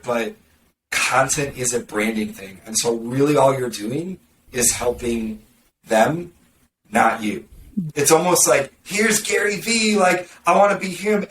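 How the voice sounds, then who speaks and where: A man talking as a podcast guest in casual conversation, sarcastic and snarky, acting out other people's reactions as he talks. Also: mid-range voice. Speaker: podcast guest, marketing consultant. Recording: roomy, distant mic with faint background noise.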